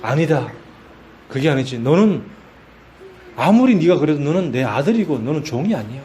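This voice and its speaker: A gentle, forgiving father, as a preacher puts him on, lower and softer than the story around him. He reassures without raising his voice. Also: very animated, normal speed, slight background noise. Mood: tender.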